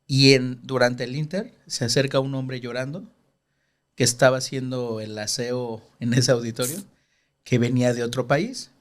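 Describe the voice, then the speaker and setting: A man's voice: medium pitch, fairly even intonation, normal speed. A man hosting a Christian podcast, explaining scripture earnestly in a casual chat. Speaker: podcast host.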